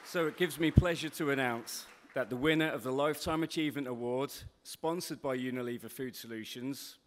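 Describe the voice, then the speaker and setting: A man's voice: mid-range voice, brisk. A man makes a formal award announcement as the sponsor's representative. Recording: very noisy live event recording.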